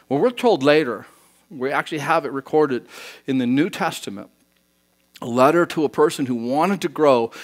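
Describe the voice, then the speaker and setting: A male pastor preaching a sermon in church in a relaxed, conversational way, often acting out bits of dialogue. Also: mid-range voice.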